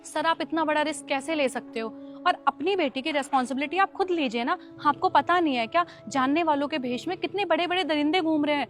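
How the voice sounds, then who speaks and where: Stern, lecturing principal, played by a woman, high-pitched voice, soft music behind. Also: fast, close to an everyday voice. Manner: firm, lecturing. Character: stern caring female school principal. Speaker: school principal.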